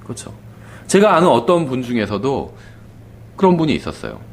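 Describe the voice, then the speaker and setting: A male pastor giving a conversational sermon. He keeps asking the congregation for agreement and lets his voice fall soft and low at the ends of phrases. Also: wildly swooping pitch, fairly quick, slight background noise. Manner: conversational preaching, often asks the congregation "그렇죠?".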